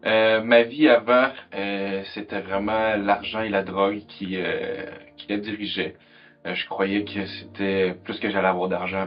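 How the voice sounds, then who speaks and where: Young quebec dude very deep flat voice, lots of euh, music behind, muffled. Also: male voice. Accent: Quebec French. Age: 20s. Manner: hesitant, many fillers. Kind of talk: testimony video. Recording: dull recording with soft music.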